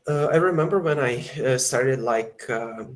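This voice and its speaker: A Brazilian man with a Brazilian Portuguese accent, a student on a video call who hesitates and fills pauses while he hunts for words. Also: medium pitch, a little hiss or hum. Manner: hesitant, many fillers while searching for words. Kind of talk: casual conversation lesson.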